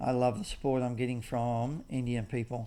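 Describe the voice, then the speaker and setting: At a medium pitch, a man speaks with an Australian accent at a moderate pace. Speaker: maths video creator. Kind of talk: tutorial.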